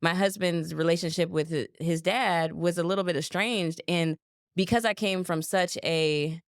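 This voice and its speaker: Lower-voiced woman co-host, dry close sound. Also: moderate pace, dry recording. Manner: animated storyteller, acts out quotes, laughs easily. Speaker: podcast co-host. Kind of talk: casual sisterly chat.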